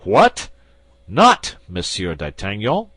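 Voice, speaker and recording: A stern, pompous commissary with a deep voice who questions forcefully and loudly, played by a man. The reading is close and dry, like a storybook. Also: sing-song, moderate pace, no room sound. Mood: exasperated.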